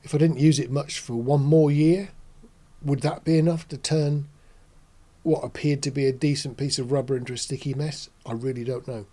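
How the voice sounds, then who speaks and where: A man in his sixties with a soft, mellow voice talks casually to camera. He explains things in a measured, matter-of-fact way at a middling pitch, recorded in a small studio. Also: steady tone. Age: 60s. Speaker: host.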